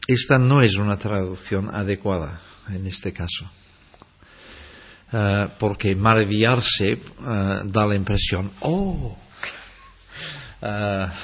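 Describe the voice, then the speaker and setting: Slow, husky male preacher. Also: fairly low pitch. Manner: slow, deliberate preaching with dramatic acted quotes. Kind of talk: sermon. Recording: dull lo-fi recording.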